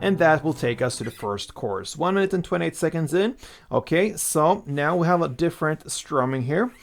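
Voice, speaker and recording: A man with a fairly high, creaky voice teaches in a casual tutorial style. He goes step by step and counts out strumming strokes. An acoustic guitar sounds lightly behind him. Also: expressive, moderate pace. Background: acoustic guitar playing.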